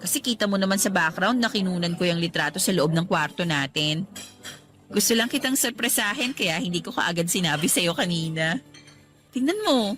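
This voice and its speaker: A woman's voice: on the low side, lively intonation, normal speed, natural voice. A woman with a Filipino accent acting as a loving, teasing and direct young girlfriend in a radio romance drama. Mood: excited, expectant.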